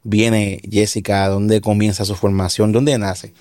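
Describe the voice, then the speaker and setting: A man's voice: fairly low pitch, little pitch movement, unhurried, no room sound, studio quality. A man hosting a Christian interview show, asking questions and often adding "verdad". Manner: warm-hearted interviewer, frequent "¿verdad?". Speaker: host of Christian program.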